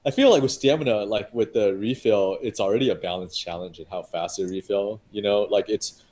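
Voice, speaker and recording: Deep-voiced man rambling casually. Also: a little fast, a little mellow. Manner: rambling, heavy on fillers and restarts. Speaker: game developer. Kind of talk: casual live-stream chat.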